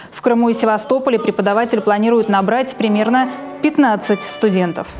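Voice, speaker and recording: A woman's voice: fairly high pitch, a little mellow. A young woman reading scripted news as a presenter in a TV studio. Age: young adult. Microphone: lapel mic.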